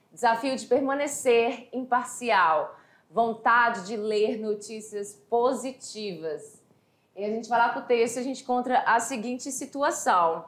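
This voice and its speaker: A Brazilian woman teacher giving a lively exam review lesson, chatty, slowing down to read English phrases aloud. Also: a little high, reverberant. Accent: Brazilian Portuguese. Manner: animated, chatty, reads English quotes slowly.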